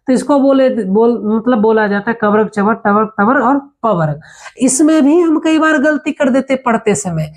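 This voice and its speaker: A Hindi grammar teacher delivers a spoken lesson in a fairly high, slightly mellow voice. She explains patiently, posing rhetorical questions and using everyday examples, and when listing the letters she sounds each one out slowly and carefully.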